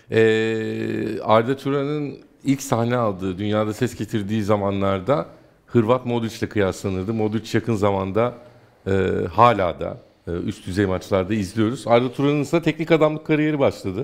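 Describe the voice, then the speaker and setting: Ordinary pitch variation at a moderate pace. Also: man. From Turkey. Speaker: sports show moderator. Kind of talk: show hosting with read sponsor ad. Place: studio. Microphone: headset.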